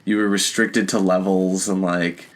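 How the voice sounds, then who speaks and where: A man's voice: low-pitched, little pitch movement, measured pace. A young man co-hosting a casual podcast, chatting informally like he is among friends. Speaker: podcast co-host. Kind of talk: casual chat about movies and video games.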